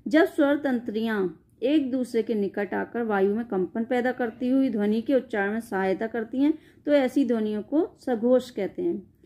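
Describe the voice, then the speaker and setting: A woman's voice: a little high, moderate pace, warm tone. Woman teacher reading out grammar notes. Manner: reads out definitions, then re-explains them in loose spoken asides; frequent self-corrections and "sorry". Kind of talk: exam-prep grammar lesson.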